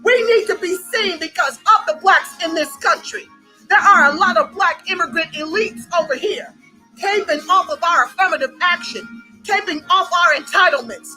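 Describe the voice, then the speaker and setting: Woman host, rallying commentary, very high voice, faint music under it. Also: poor audio. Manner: animated, rallying, addresses listeners as family. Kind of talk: online commentary show.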